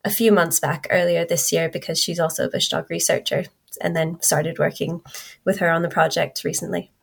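Scottish woman, 20s, slightly Americanized accent, lowish voice, thoughtful, pauses a lot. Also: fairly even intonation, gravelly, slightly rough. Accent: Scottish with some American influence. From Scotland. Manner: thoughtful, with frequent hesitations. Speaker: guest, wildlife researcher. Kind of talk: casual interview chat.

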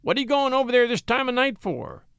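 A man's voice: very high-pitched, quick pace, fairly bright tone, clean tone, no room sound, clean studio sound, voice pushed up. Man doing a brash, folksy rural deputy. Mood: nosy. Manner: folksy, insistent questioning. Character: brash, nosy rural deputy hunting a fugitive.

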